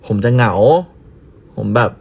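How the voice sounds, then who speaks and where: Chatty young man on a phone livestream. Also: takes it slowly. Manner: chatty, playful, repeats himself and mixes in bits of other languages. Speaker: livestream host. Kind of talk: casual phone livestream chat with viewers. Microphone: phone held close.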